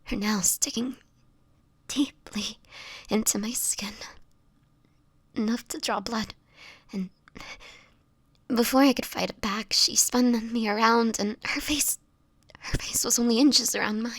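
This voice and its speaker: A frail, haunted vampire woman voiced by an actress speaks close and dry, in a breathy near-whisper. She is fearful and sorrowful, halting often as she confides in an audio drama. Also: a little high, steady tone, a bit bright, dry recording, heavily acted. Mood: frightened, shaken. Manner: halting, hesitant storytelling with pauses. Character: sickly, fearful homeless young vampire woman, sorrowful and hesitant. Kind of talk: intimate dramatic audio roleplay monologue.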